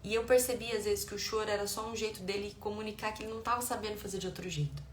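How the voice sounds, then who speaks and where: A woman's voice: medium pitch, fairly even intonation, racing. A middle-aged woman with a Brazilian Portuguese accent, a parenting educator giving advice to parents in an explanatory tone. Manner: warm explanatory tone, acts out dialogue with her children. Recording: echoey room with faint ambient noise.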